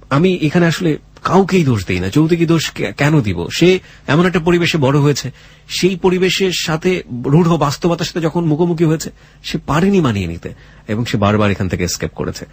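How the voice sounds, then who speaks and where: A man's voice: on the high side, animated, normal speed, pauses often, husky. A man with a Bangladeshi accent hosting a radio show, speaking earnestly and emphatically with dramatic phrasing. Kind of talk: radio storytelling and interviewing. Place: radio studio.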